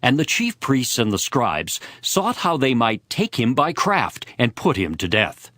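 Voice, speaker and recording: A man's voice: medium pitch, wildly swooping pitch, a little slow, pushed and bright, no room sound, clean studio sound. A man narrating scripture from a script for a dramatized audio Bible. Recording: music behind the voice. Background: background music.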